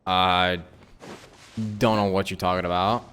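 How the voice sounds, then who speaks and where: A man's voice: low-pitched, flat delivery, a little slow, fairly bright tone. A man giving chatty, reactive live commentary as a game streamer. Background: game music.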